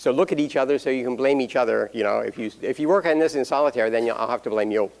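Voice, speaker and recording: Male professor, mid-pitch, casual classroom delivery, dry humor, lots of fillers. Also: fast talker, gravelly, a little mellow. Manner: explanatory, dry jokes, frequent fillers. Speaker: university lecturer. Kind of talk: classroom lecture.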